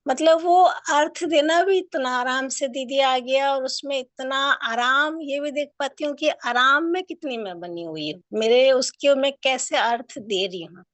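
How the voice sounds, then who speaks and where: A woman's voice: high voice, measured pace, few pauses, a bit bright, no echo. Earnest woman sharing reflections, dry sound. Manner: earnest, rambling, addresses teacher as didi. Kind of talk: casual sharing in an online class.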